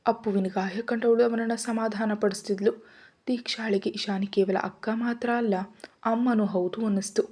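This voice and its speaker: Female narrator for a family story; steady, even, mellow. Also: fairly high pitch, moderate pace. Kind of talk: scripted narration.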